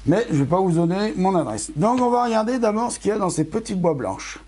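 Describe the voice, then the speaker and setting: This middle-aged hobbyist astronomer speaks fairly fast in a high, warm, slightly rough voice with big pitch swings. He's casually unboxing gear on his channel, chatting to viewers and self-correcting, sounding a bit worn out and losing his voice.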